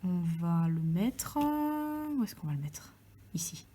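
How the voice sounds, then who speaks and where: Woman teaching phonetics, talks real slow and mellow, half whispers as she writes. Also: fairly low pitch, very animated. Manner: slow, talks to herself while writing, drops into soft whispers. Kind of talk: step-by-step transcription lesson.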